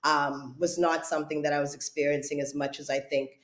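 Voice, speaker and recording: A woman's voice: low voice, little pitch movement, fairly quick. A woman, a writer and director, talking thoughtfully in an interview, often searching for her words. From South Africa. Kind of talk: reflective conversational interview. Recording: echoey room.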